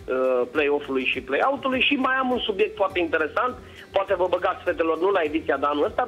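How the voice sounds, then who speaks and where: A man's voice: on the high side, fairly bright tone. A man, a senior sports journalist, calling in by phone to a morning show and teasing the hosts in a chatty way. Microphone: phone line. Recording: dull lo-fi phone line with music.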